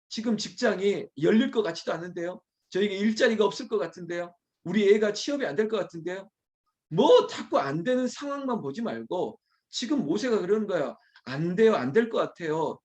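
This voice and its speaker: A man, a pastor, preaching an early morning prayer sermon in a candid, conversational way, teasing and scolding his small congregation, then quickly apologizing. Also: high voice, darkish tone.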